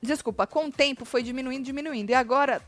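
A woman's voice: sits high, quick pace, soft background music. A woman hosting a live show, chatting casually about gossip and acting out the voices of the people she quotes. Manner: animated, acts out quoted voices while retelling.

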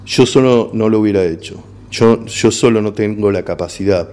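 A middle-aged man with an Argentine accent speaks in a mellow, darkish voice. He tells his story frankly and keeps circling back over words while hunting for the right one. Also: lowish voice, normal speed. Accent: Argentine Spanish. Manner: frank, repeats words and restarts while searching for words. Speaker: stand-up comedian guest. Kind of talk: casual interview chat.

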